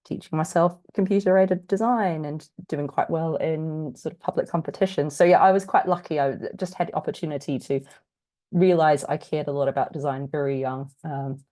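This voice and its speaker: A woman from New Zealand with a husky, croaky voice, still getting over an illness, presenting an online workshop in a chatty, self-deprecating way with plenty of fillers. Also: sits low, fairly quick, dark tone. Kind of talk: casual online workshop talk. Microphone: video call.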